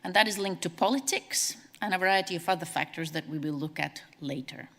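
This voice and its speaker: A woman from Latvia, giving a brisk, conversational conference presentation as a CEO. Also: lowish voice, a bit bright. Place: large conference hall. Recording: long hall reverb.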